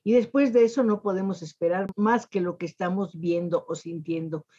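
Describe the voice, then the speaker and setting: An older woman interviewer with a mellow, slightly husky voice, speaking in polished, lyrical phrases. She comes through a video call from her home library. The audio is muffled and lo-fi. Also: on the low side, fairly even intonation, moderate pace. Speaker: interviewer and host. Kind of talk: warm formal television interview.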